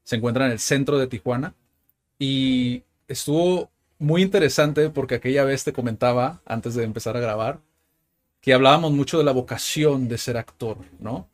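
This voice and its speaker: A man's voice: mid-range voice, lively intonation, normal speed. A man hosting a casual interview podcast. He asks questions in a friendly, loose way and often ends with a tag question. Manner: friendly, loose, frequent "¿no?" tags. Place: indoor arcade.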